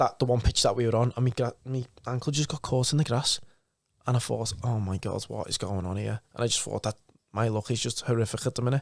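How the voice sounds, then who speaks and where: In a Liverpool accent, a man with a medium pitch talks at a very fast pace with fairly even intonation, in a dry, close sound with no echo on a very clean recording with a silent background. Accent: Scouse. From Liverpool, Merseyside. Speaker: professional footballer. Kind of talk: casual chat.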